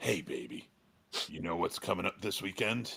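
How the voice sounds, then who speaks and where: Putting on a raspy character voice, a man speaks at a moderate pace with a fairly low pitch. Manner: dramatic, ominous.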